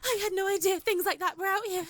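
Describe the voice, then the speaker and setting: Anxious young female traveller, visual novel: extremely high voice, earnest, faltering, nervous. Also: fast. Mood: uneasy surprise. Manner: hesitant, nervous. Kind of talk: visual novel game voice acting.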